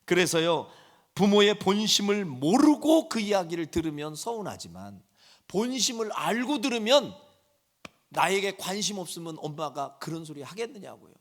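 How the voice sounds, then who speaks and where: A man's voice: sits high, sing-song, moderate pace. A middle-aged male pastor preaching a sermon in a church, dramatically acting out quoted voices. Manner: dramatic, acts out quoted parents and children. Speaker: senior pastor. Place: church sanctuary.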